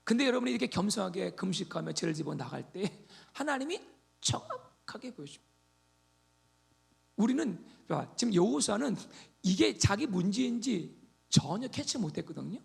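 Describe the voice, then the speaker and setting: A man preaching a sermon as pastor, animated, swinging between loud exhortation and quiet asides. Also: high-pitched, normal speed, gravelly.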